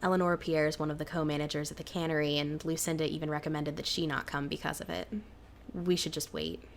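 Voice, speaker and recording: A woman's voice: sits low, steady tone, fast, slight background noise. A woman playing a cautious, resigned cryptid with a hesitant, downbeat way of talking in a naturalistic audio drama. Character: Sybil, cautious, resigned female cryptid in a small town.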